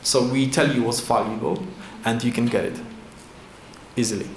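This conference presenter speaks at medium pitch from a podium lectern microphone while showing slides in a large indoor hall. He stumbles through non-native English with frequent fillers and restarts, and the echoey recording carries faint ambience plus slight hiss or hum.

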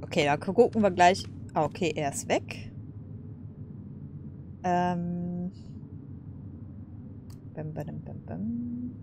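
A woman's voice: fairly low pitch, lively intonation, slow, creaky, pauses often, noisy background. A woman casually commenting over a game, chatty, laughing and cursing at setbacks. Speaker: let's play host.

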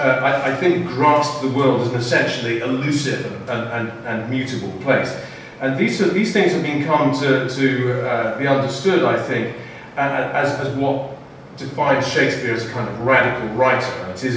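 A man giving a halting panel talk with many fillers and restarts, in a lecture room before an audience. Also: medium pitch. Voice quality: loud voice. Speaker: panel speaker. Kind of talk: halting public talk from notes. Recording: echoey room, far mic, faint noise.

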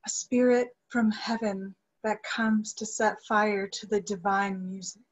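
A woman's voice: medium pitch, fairly even intonation, a little slow, natural voice, low-quality recording. A young woman acting an earnest, grieving young soprano devoted to her father in a dramatic play reading. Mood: fervent. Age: young adult. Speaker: actress in a virtual staged reading. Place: indoor room, video call. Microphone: video call microphone.

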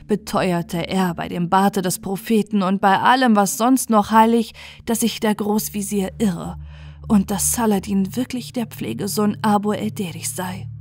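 Calm woman reading a bedtime fairy tale. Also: mid-range voice. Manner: calm, measured storytelling. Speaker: audiobook reader.

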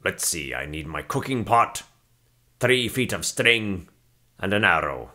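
Dwarf , male actor: cantankerous crossbowman, fairly low pitch, gruff and unbudging. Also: pushed and bright, heavily acted. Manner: gruff, threatening, grumbling. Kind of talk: character voice demo.

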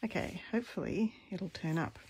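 A woman with a deep, husky voice hosting a casual stamping tutorial, chatting and thinking aloud as she crafts. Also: normal speed, darkish tone, slight background noise. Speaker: craft video host.

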